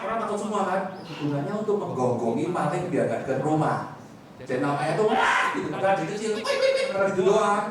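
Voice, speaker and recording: Teasing male preacher in an echoey hall. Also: a little high. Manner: teasing, lively storytelling with asides to the audience. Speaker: Buddhist preacher. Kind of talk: sermon. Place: large hall with an audience. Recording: echoey hall, mic far off, crowd audible.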